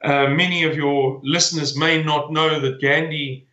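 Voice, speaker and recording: A man's voice: on the high side, steady tone, a little slow, bright, forceful tone, roomy sound, dull audio. A man in his forties from South Africa, talking as a guest in a conversational interview, often hesitating and repeating words as he searches for them. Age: 40s.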